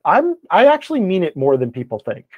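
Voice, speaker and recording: An American man chatting casually as a podcast guest, rambling and self-deprecating, with an animated, ranting way of talking. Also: high-pitched, a little fast, no echo, muffled recording. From Wisconsin, United States. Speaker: podcast guest, blogger and game designer. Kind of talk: casual interview chat.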